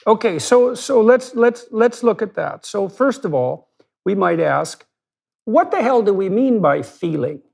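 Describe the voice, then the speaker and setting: A man's voice: sits high, expressive, unhurried, creaky, darkish tone. A man talking bluntly and emphatically as a guest in a conversational interview, with some mild swearing.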